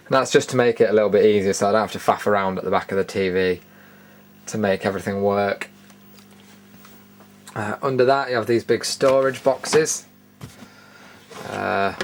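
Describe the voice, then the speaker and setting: A British man with a lowish voice and a good deal of creak talks through a show-and-tell tour in a casual, unscripted way. He is matter-of-fact with dry opinions. There is clear noise behind him in the recording. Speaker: video host giving a tour. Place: indoor room studio. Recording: noticeable background noise.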